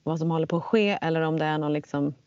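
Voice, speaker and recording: A woman telling a personal story in casual conversation, animated, acting out quoted lines. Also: deep voice, no echo, muffled recording. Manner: animated, acts out quotes in English.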